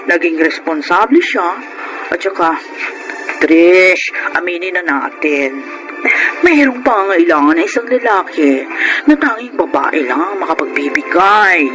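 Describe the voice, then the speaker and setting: A man acting a flamboyant, campy gay best friend in a Filipino radio drama, with animated, effusive banter and a Filipino accent. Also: high voice, a little slow, low-quality recording. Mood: sincere, tender. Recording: music bed under the voice.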